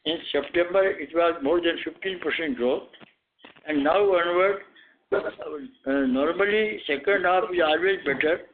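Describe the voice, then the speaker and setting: Over a narrow phone connection, a male company executive speaks with an Indian accent. His voice sits a little high, and he answers analysts in a firm, matter-of-fact way. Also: measured pace. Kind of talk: answering analysts on an earnings call. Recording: narrow tinny phone line.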